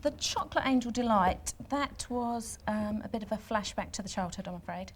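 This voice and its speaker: A woman's voice: medium pitch, a little fast. A woman from Bedfordshire, a cooking show contestant who talks hesitantly with many ums and pokes fun at herself. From Bedfordshire, England. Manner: hesitant, lots of ums, self-deprecating. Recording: light tape hiss.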